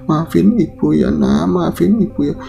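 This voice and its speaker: A man's voice: fairly high pitch, a little slow, creaky, warm tone, faint music behind, voice pushed up. A man voicing a grieving older woman, pleading and sobbing. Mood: tearful.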